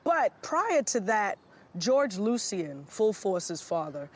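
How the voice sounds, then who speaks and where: A woman's voice: medium pitch, big pitch swings, slow. Confident female rapper, punchy delivery. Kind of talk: rap verse and interview talk.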